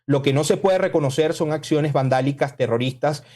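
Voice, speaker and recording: A man from Venezuela, a political spokesman, speaking forcefully and combatively as a guest in a radio interview. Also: on the high side, brisk. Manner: forceful, combative political talk with emphatic lists.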